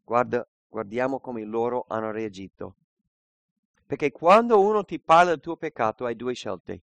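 A man preaching a sermon and reading scripture aloud, earnest, moving between quiet reflection and emphatic points. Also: mid-range voice, lively intonation, moderate pace, gravelly, dry recording.

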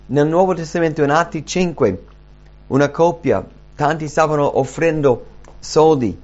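A man preaching a sermon in an earnest, dynamic way, rising for emphasis and dropping low and soft. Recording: dull lo-fi recording.

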